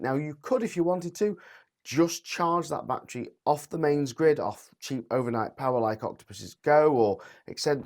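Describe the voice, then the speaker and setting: Croaky man hosting a vlog. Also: on the high side, darkish tone. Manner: chatty, addresses viewers directly. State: hoarse, losing his voice. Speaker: channel host. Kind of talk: casual explainer vlog.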